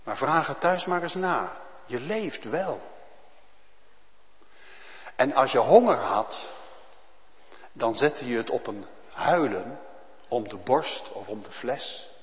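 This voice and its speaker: A man preaches slowly in a church, his voice swinging widely in pitch. The sermon is solemn and rises to loud, emphatic calls. Long reverb trails after each phrase. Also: lively intonation. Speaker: pastor.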